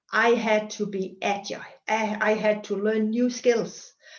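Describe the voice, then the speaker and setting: Speaking at a fairly high pitch, a woman talks with a non-native accent. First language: Danish. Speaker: motivational speaker. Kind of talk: motivational talk. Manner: halting.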